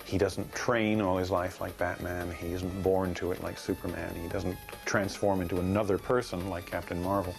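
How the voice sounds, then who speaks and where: Animated man with a gravelly bass voice. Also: moderate pace, few pauses, over music. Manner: animated, enthusiastic. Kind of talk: documentary interview commentary.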